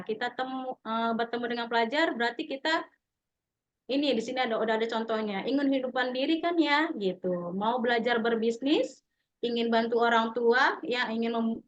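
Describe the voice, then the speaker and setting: A woman's voice: fairly high pitch, fairly bright tone, dull audio. A woman giving a conversational online training talk as a business trainer, with frequent tag words and restarts. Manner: conversational, often acts out sample dialogues. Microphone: video call.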